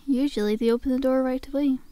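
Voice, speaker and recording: A woman's voice: high voice, fairly even intonation, quick pace, mellow, smooth, no room sound, natural voice. A woman playing a friendly, sly zombie girl in an ASMR roleplay, coaxing a survivor in a chummy, casual, faux-innocent way. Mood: sly, amused.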